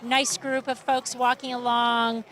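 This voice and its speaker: A woman's voice: on the high side, flat delivery, unhurried, a bit bright. A woman giving chatty, enthusiastic live commentary on a street parade outdoors, sometimes losing her place.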